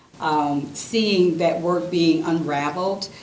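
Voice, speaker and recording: Monotone, flat intonation with audible room echo and noticeable background noise. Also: woman. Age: 60s. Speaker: credit union executive. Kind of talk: speech at a ceremony. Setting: indoor event with audience. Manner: hesitant, many fillers.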